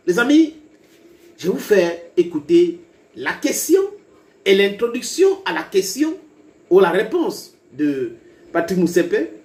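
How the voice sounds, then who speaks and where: Speaking straight to his viewers, this English-speaking political commentator has a high, somewhat mellow male voice. His video commentary is emphatic with heated outbursts, recorded in a roomy, echoey space with faint ambience.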